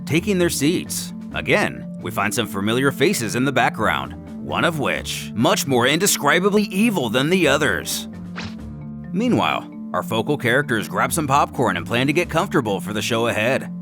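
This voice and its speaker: A man's voice: medium pitch, wildly swooping pitch, moderate pace, over music. A man delivering dramatic scripted narration in a theatrical, emphatic way, as the narrator of a fan story recap.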